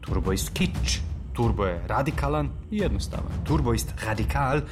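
A man's voice: medium pitch, animated, a little fast, close to an everyday voice. A man playing a Serbian radio host in a radio play, proclaiming slogans as a passionate turbo-folk evangelist. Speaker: radio show presenter. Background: music behind the voice.

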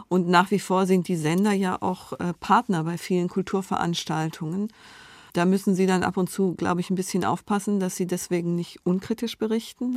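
A woman's voice: lowish voice, no echo, clean studio sound. A woman speaking as an expert guest in a conversational interview, feeling for her words with repetitions.

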